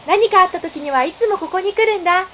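A young woman playing a friendly, eager high-school senior girl in an amateur radio drama. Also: fast talker, fairly bright tone. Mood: cheerful, friendly. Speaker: student radio drama actor. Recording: faint background ambience noise.

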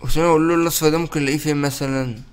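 A man with an Egyptian Arabic accent giving excitable, urgent let's-play commentary as a gaming channel host, calling out to his viewers. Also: a little high, racing.

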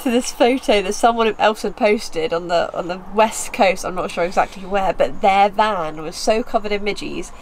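A young woman chatting on a road-trip vlog, quick to correct herself mid-sentence. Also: medium pitch, slight background noise, low-quality recording. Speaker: travel vlogger. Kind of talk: casual vlog chat.

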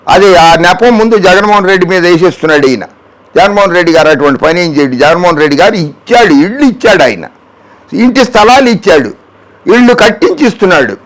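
A man's voice: high-pitched, very animated, fast, a bit bright. A man delivering political news commentary, sarcastic and mocking, scolding a politician as if speaking to him directly.

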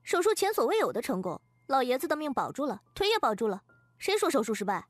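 Man putting on a high-pitched scornful woman. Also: big pitch swings, fast talker, dry recording, exaggerated voice. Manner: dismissive, snappy. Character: brisk, scornful, indignant woman.

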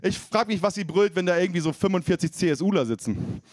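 A man's voice: high-pitched, lively intonation, fast, darkish tone, no room sound. A man in his thirties from East Frisia doing a self-mocking stand-up set on a comedy club stage, talking with the crowd. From East Frisia, Germany. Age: 30s.

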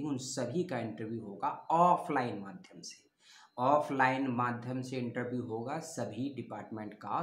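A man of middle pitch talks in a loose, chatty way, working through long lists and stopping to fix his own mistakes out loud. He calls his listeners brother. The room around him rings with a noticeable echo. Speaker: education channel host. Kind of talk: casual informational talk reading out lists. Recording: roomy echo.

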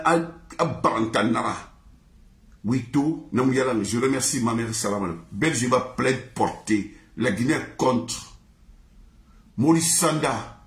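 A man singing in a repetitive, chanted, sing-song way. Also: mid-range voice. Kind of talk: chanted song in mixed languages. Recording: echoey room.

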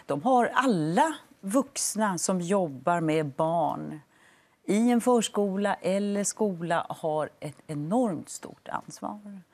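Low-voiced woman explaining things firmly. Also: expressive, a little mellow. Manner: measured, explanatory, firm. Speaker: lawyer, studio guest. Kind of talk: TV morning show interview. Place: TV studio set. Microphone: lapel.

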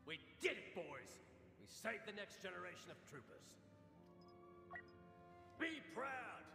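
An actor playing a brash, gung-ho, proud soldier in a video game. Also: male voice, high voice, sing-song, measured pace, creaky, heavily acted. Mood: urgent, rousing. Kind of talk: video game character lines. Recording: echoey, reverberant, music behind.

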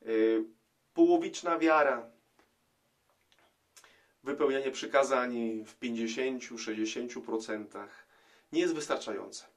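A middle-aged man, a priest, giving a reflective gospel commentary to camera in a small room, pausing often with hesitation sounds. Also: mid-range voice. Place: small indoor room, plain wall.

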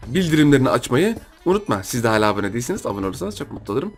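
A young man giving casual commentary on his own gameplay, talking to himself and his viewers and repeating words in quick bursts when excited. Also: mid-range voice, husky, soft background music. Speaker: gaming YouTuber.

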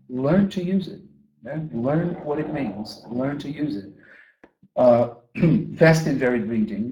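A man from Brazil training teachers in a lively conference talk, often asking the audience questions and repeating words as he restarts. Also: medium pitch. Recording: echoey room.

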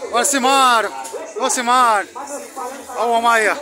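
A man's voice: extremely high pitch, steady tone, moderate pace. A man, vlogging casually as he walks an outdoor market, chatting and joking with people he greets. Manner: chatty, greets passers-by, jokes. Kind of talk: casual walking vlog. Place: busy outdoor street market. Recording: outdoor crowd noise. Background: market crowd chatter.

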